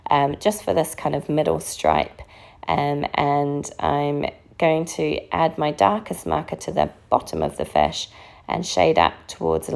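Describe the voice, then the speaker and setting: A woman with a croaky voice from a recent illness, narrating a casual card-making tutorial in a relaxed, chatty way. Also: low-pitched. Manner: relaxed, chatty, frequent ums. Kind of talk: casual craft tutorial voice-over.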